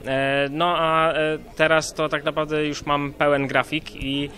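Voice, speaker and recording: A man in a news interview, slow in places and using many fillers. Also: a little high, flat delivery, sharp tone.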